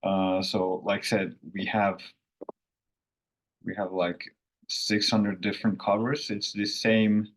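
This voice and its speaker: A man who is a native Finnish speaker, hosting a casual online language lesson in an unhurried, rambling way with self-corrections. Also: fairly low pitch, flat delivery, low-quality recording. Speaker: language course host.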